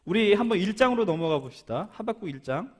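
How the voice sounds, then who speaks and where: A man's voice: sits high, expressive, quick pace, a little mellow, long reverb tail. A man preaching a sermon to a young congregation, asking them many questions and acting out the pleas of prayers. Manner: rhetorical questions to the congregation, dramatic quoted prayers. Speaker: pastor. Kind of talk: sermon to a young adults' service.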